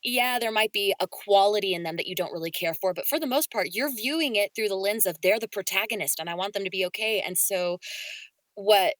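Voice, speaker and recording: Woman, voice actress, casual interview talk, mid-pitched, expressive explainer, very dry close sound. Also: fairly quick, no room sound. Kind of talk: casual cast discussion.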